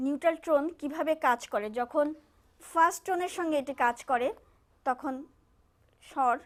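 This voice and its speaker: High-voiced woman explaining a lesson. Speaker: co-host and interpreter. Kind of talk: explaining in a TV language class.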